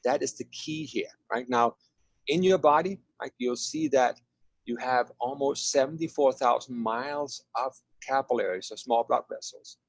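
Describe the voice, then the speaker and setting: A man's voice: mid-range voice, moderate pace, no echo, poor audio. A man from Denmark presenting slides as a webinar guest, enthusiastic, with lots of "uh" and "right?". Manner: enthusiastic, many fillers and "right?".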